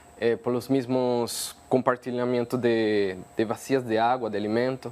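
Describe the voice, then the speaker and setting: Here a man speaks at a fairly slow pace. The intonation stays monotone and flat. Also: medium pitch for a man. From Venezuela. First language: Spanish (speaking Portuguese). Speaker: veterinarian. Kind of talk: TV interview.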